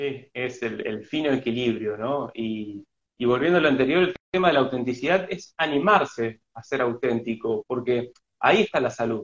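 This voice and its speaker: A man has a normal speaking voice at a medium pitch. He keeps a moderate pace with ordinary pitch variation. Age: 30s. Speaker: humanistic psychologist. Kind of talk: casual interview.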